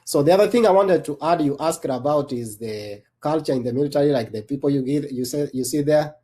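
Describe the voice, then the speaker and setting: Panel guest, Kenyan-born male veteran; dark tone, loose delivery full of restarts. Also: fairly high pitch, a little fast. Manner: rambling, many restarts and fillers. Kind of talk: panel discussion.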